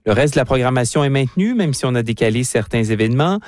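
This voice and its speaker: Male news correspondent, Canadian French accent, mid voice, dry recording, steady formal read. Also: mid-range voice, fast talker, dry recording. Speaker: foreign correspondent. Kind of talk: scripted news report.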